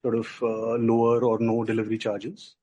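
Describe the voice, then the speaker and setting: A man's voice: mid-range voice, monotone, moderate pace, a little mellow, slight background noise. A man giving an answer on an earnings call as a company executive.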